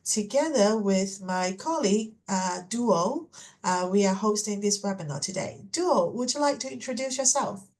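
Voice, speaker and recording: A middle-aged woman from Hong Kong presents as a webinar host. She speaks at a medium pitch in an informal, semi-scripted way, chatting to the attendees as she goes. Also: animated, moderate pace, a little mellow. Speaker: webinar host and MBA admissions manager.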